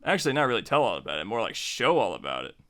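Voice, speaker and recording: Male tutorial host, mid-pitched, conversational and informal, explaining casually and repeating himself for emphasis. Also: huge pitch swings, very fast, pushed and bright. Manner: informal, repeats phrases for emphasis, acts out example remarks. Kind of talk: casual, conversational writing lesson.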